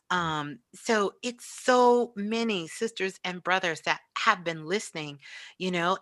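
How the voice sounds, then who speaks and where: A woman's voice: medium pitch, sharp tone, no echo, studio quality. A woman hosting casual, motivational spiritual talk, repeating phrases for emphasis. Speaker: spiritual radio show host.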